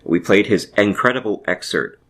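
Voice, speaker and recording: A man's voice: fairly low pitch, normal speed, fairly bright tone. A man hosting a show in a casual, conversational style. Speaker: show host. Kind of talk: casual podcast chat.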